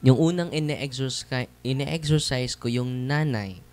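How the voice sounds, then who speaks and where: Here a Catholic priest, speaking at medium pitch and a measured pace, delivers a chatty testimony sermon. His seated audience in a church or hall often gets tag questions tossed back at them.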